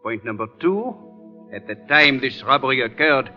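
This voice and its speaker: An actor playing a suave, smug master thief in an old radio drama, polished, precise and condescending. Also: male voice, medium pitch, animated, moderate pace, soft background music, close to an everyday voice. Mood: smug, unruffled. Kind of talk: 1940s radio drama acting. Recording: dull vintage radio recording.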